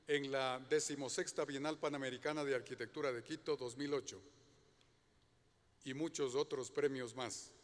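A man formally reading a prepared introduction of guest speakers on behalf of a university. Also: a little high. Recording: long hall reverb.

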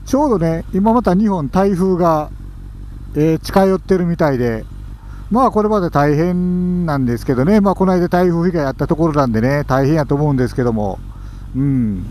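A man's voice: fairly high pitch, lively intonation, brisk. A middle-aged man with a Kansai Japanese accent, chatting casually and informally to viewers from inside a motorcycle helmet as he rides. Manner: talks to viewers in loose, informal dialect. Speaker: motorcycle vlogger. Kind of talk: casual rambling chat while riding. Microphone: mic inside a motorcycle helmet. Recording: muffled helmet mic with loud riding noise.

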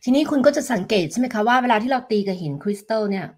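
A woman health coach giving a live demonstration lesson, explaining step by step in a gentle way and answering viewer questions, with tuning fork tones sounding behind her. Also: fairly high pitch, expressive, racing, slight background noise. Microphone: desk microphone.

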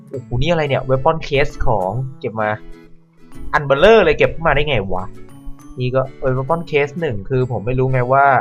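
A man giving let's-play commentary on a horror game. He talks to the zombies and swings from calm asides to startled yelps. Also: mid-range voice. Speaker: gameplay commentator.

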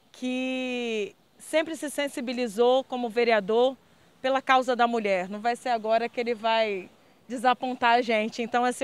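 A Brazilian woman, a community leader running for council, answers questions in a street interview. Her voice sits a little high, with a clear, resonant tone. She speaks earnestly and persuasively, leaning on frequent fillers.

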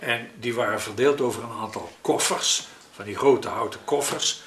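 An elderly man, recalling memories in a hesitant, pausing, conversational way. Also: medium pitch, a bit bright. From Netherlands. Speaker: interviewee recalling his childhood. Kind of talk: spoken reminiscence in an interview. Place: living room at home, indoors. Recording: roomy echo with faint noise.

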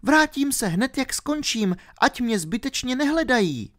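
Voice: medium pitch, very animated, fairly bright tone, pitched above the performer's own voice. A reader voicing a ten-year-old girl, bold and determined, speaking eagerly and insistently in a storybook reading.

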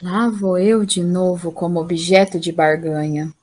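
A woman's voice: lowish voice, steady tone, a little slow, a little mellow, a little hiss or hum, natural voice. A woman playing a defiant young princess in a comic audio drama, dramatic and sarcastic. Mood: exasperated.

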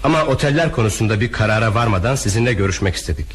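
A man's voice: on the low side, expressive, very fast, breathy edge. A man acting a formal, controlled and unbending banker in a crime radio drama. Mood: firm, formal. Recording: faintly noisy radio drama recording.

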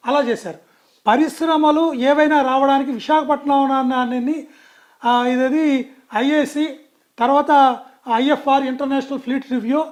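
A man speaking as a guest in a political interview, talking emphatically and often restarting and correcting himself mid-sentence. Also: extremely high pitch.

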